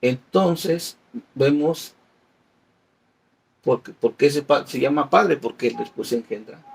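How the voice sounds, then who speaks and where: A man's voice: medium pitch, vocal fry, a little hiss or hum. A man teaching a Bible class as a catechist, reading passages aloud and explaining them patiently with everyday examples.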